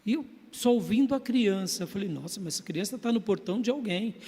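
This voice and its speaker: High-voiced pastor in a reverberant church. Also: male voice, lively intonation, fairly quick, husky. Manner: storytelling, swinging from loud emphasis to hushed asides. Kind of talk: sermon. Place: church sanctuary. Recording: long church-hall reverb.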